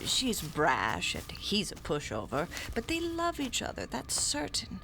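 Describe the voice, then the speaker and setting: An actress narrating and playing a stern, learned woman classicist, with measured, formal, often hushed storytelling. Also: mid-range voice, wildly swooping pitch, creaky, background noise. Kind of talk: audio drama narration.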